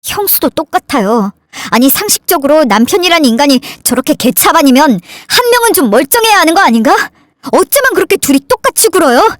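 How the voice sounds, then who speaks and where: A woman's voice: high voice, sing-song, fairly quick, no echo, studio quality. Woman doing a bitter, fed-up grown son. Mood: sarcastic. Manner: bitter, accusing. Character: resentful younger son, grown man, fed up. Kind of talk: dramatized story reading.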